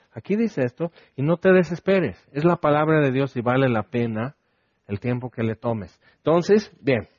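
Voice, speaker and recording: A man's voice: a little high, a little mellow, slightly rough, dry recording, muffled recording. Man preaching a casual sermon. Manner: conversational, asks the listeners questions, acts out quoted cries.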